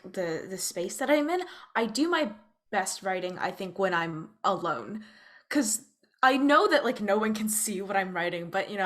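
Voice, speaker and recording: Hesitant young woman, medium pitch. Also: fairly bright tone. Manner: self-deprecating, giggly, hesitant. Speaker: playwright, roundtable guest. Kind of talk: casual chat.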